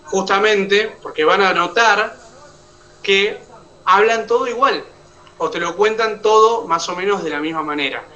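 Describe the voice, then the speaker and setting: A high, sharp-toned male voice, speaking a little slowly, is captured from a distance on dull-sounding audio. The man has an Argentine accent and is lecturing an online oratory class, going step by step and checking that his students follow.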